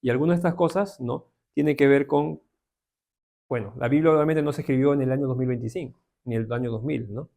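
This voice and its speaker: Gravelly Peruvian man teaching Bible. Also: medium pitch, fairly quick, mellow. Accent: Peruvian Spanish. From Peru. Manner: conversational, many filler questions, asks the class. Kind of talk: informal Bible class.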